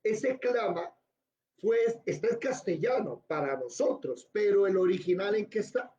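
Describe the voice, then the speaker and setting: Man Bible teacher, high mellow voice, quizzes the class, dull lo-fi sound. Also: animated, moderate pace, echoey room. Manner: spells out words letter by letter and quizzes students. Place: classroom with students. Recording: dull lo-fi recording.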